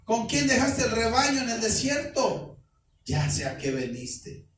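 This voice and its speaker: A man's voice: very high voice, sing-song, unhurried, a crowd in the background, heavily acted. A man with a Mexican accent voicing a scornful older brother who scolds a young shepherd with mocking questions. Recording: echoey church hall, mic at a distance.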